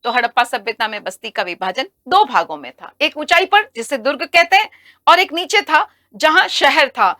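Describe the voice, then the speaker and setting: Woman teacher, high and bright, animated exam-prep lesson style, dry close studio sound. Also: moderate pace, no room sound. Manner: animated, asks and answers her own questions.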